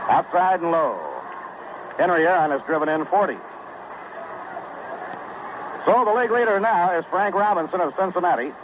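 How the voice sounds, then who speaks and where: Man, baseball radio announcer, high voice, AM radio sound, tinny and hissy, brisk play-by-play. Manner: brisk, even-toned, reads stats between pitches. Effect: AM radio broadcast sound. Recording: tinny noisy 1960s AM radio broadcast.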